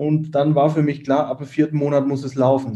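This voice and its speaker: Fairly high for a man yet dark and mellow in tone, his somewhat breathy voice moves at a moderate pace. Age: 30s. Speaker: entrepreneur, agency owner. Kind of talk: interview. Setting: video call.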